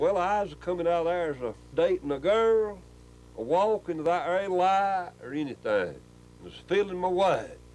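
Speaking at a moderate pace in an Appalachian accent, a man's voice shows big swings in loudness. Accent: old Appalachian mountain dialect. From Appalachian North Carolina. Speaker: storyteller. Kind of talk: interview answer.

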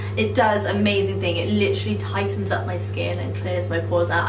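Through noticeable background noise comes a woman's voice, very deep and low. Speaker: beauty blogger. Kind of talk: product review tutorial. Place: bathroom.

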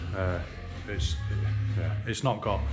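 The speech moves at a fairly quick pace. Music plays clearly in the background. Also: man. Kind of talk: casual vlog chat. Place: workshop. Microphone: phone near.

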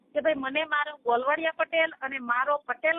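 Ordinary pitch variation runs through a woman's high-pitched voice. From Saurashtra, Gujarat (Bhavnagar district). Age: 40s. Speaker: caller. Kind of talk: phone-in conversation. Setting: phone call.

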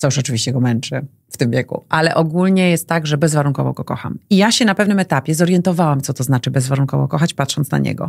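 Over a quiet background, a woman talks very fast with vocal fry, a very deep, low pitch and ordinary pitch variation. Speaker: podcast guest. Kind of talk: casual chat. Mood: reflective, warm. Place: studio. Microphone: studio mic.

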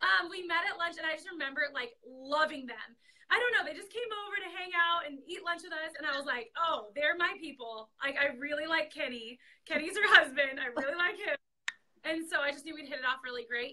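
A raised, projected voice with a bright, sharp tone moves at a fairly quick pace with lively intonation. Loudness swings widely, and the background is quiet. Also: woman. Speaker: live show host. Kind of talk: casual live chat introduction. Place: home room. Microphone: webcam.

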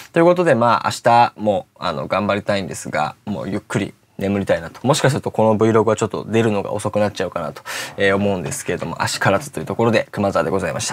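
A man's fairly low voice at a very fast pace with lively intonation, over light background noise. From Kanagawa, Japan. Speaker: vlogger. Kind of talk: casual vlog chat. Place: home room.

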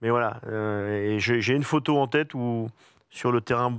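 A man speaks against a quiet background. The sound is dry with no echo. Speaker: football coach. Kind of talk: interview.

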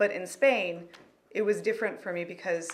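Speaking at a very fast pace, a woman uses ordinary pitch variation. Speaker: journalist; panelist. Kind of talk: panel discussion. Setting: stage with audience. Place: home room. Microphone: handheld.

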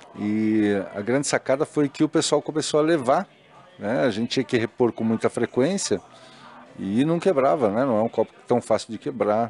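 A man speaks with faint music in the background. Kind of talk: interview answer. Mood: relaxed, smiling. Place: bar. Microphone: handheld.

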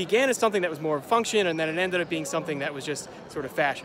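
Over noticeable background noise, a man talks at a very fast pace in a high pitch with lively intonation, the sound dry with no echo. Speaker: travel vlogger. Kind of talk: casual vlog chat. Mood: enthusiastic, amazed. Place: open country. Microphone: phone near.

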